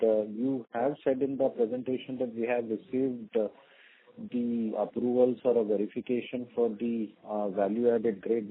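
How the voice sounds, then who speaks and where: A man's voice: medium pitch, breathy edge. Indian man on a thin phone line. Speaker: analyst asking questions. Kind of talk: earnings call questioning. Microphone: telephone conference line.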